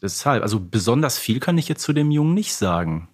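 A man's voice: medium pitch, sing-song, a little fast. A man co-hosting a casual quiz podcast, chatting like an eager fan who keeps adding trivia details. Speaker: podcast co-host. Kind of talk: casual chat, quiz banter.

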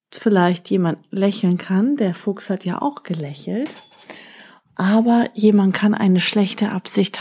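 A woman's voice: mid-range voice, mellow. A woman hosting a children's podcast, reading a story aloud and then explaining its lesson in plain words with some fillers.

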